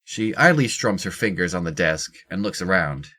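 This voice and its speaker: A man's voice: low voice, lively intonation, normal speed, a bit bright. A man reading scripted narration for an audio drama.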